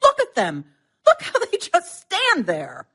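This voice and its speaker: A woman's voice: high-pitched, wildly swooping pitch, slow pace, a bit bright, heavily acted. An actress playing a flustered middle-aged wife who fusses over her injured friend. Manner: fluttery, fussing. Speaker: friend on vacation. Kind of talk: comic film acting.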